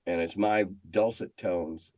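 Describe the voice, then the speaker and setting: A man's voice: low-pitched, takes it slowly, a little mellow, no echo, clean studio sound. An older man with an American accent, chatting casually as an interview guest in a plain-spoken, wry way. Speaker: interview guest, retired magazine editor. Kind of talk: casual chat.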